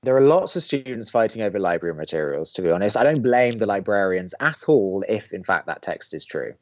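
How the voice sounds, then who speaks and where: A sardonic young college DJ in a radio comedy, exasperated and quick to defend himself. His pitch jumps around in animated fashion, recorded close and dry with a slightly muted tone. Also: no echo, muffled recording. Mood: defensive. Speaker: radio host. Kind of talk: bantering scripted college radio dialogue.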